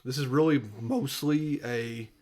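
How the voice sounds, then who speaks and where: A man's voice: mid-range voice, steady tone, measured pace, darkish tone. A man co-hosting a casual gaming podcast, offhand and dry. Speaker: podcast co-host.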